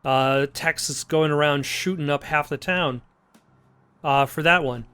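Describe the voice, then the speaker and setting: A man's voice: fairly high pitch, steady tone, unhurried, sharp tone, smooth. A man hosting a game playthrough, commenting casually with hesitant, rambling asides. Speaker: let's play host.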